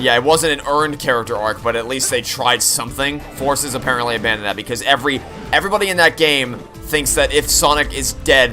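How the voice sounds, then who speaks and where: A young man giving casual, opinionated, rambling commentary as he plays through a video game. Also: mid-range voice. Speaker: video game playthrough streamer. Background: game music.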